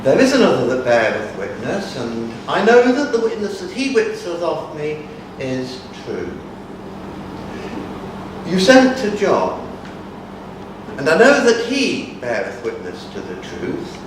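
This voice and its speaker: A man's voice: a little high, wildly swooping pitch, unhurried, voice pushed down. A man voicing Jesus as a grave, authoritative grown man, declaiming solemnly and emphatically in a dramatic scripture recitation. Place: conference hall. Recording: echoey hall from far off, noisy.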